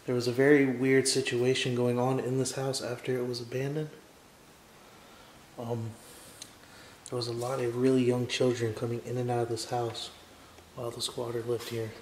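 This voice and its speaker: A man's voice: mid-range voice, vocal fry. A young man exploring an abandoned house, talking to his camera, awed and jumpy, sometimes calling out and sometimes whispering, recorded on a handheld camera mic. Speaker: urban explorer. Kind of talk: exploration vlog narration. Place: large empty abandoned house, indoors. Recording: echoey empty rooms with faint hiss.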